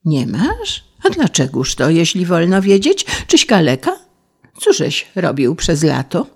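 A woman's voice: lowish voice, huge pitch swings, measured pace, a little mellow, husky, exaggerated voice. A woman voicing a prim, cold-hearted female ladybird who moralizes scornfully. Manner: scornful and preachy.

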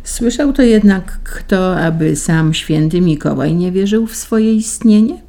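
A woman calmly reading children's stories aloud with gentle expression. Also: lowish voice, a little slow, vocal fry. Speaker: narrator. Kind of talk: storybook reading.

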